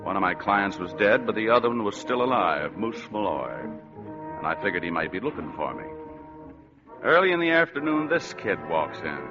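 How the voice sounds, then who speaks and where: An actor playing a world-weary, wisecracking private detective who also narrates, in a 1940s radio drama. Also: male voice, on the low side, big pitch swings, moderate pace, over music. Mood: narrating. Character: wisecracking hard-boiled private eye, weary man. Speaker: narrator of the story. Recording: dull lo-fi old radio broadcast.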